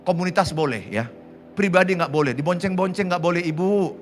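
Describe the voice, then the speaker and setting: A man's voice: high-pitched, fairly quick, soft background music. A middle-aged man, preaching a sermon and having the congregation repeat lines after him. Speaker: pastor. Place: large church hall.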